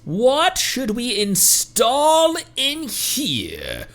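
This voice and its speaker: A man's voice: extremely high pitch, wildly swooping pitch, extremely slow, a bit bright. A man streaming a video game with casual, chatty commentary.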